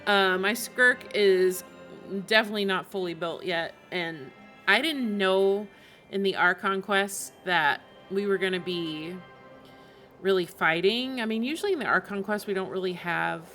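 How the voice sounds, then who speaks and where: A woman streamer talks casually at a medium pitch over game music. She rambles informally and thinks out loud as she plays. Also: a little slow. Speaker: video game live streamer. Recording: music behind the voice. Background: video game music.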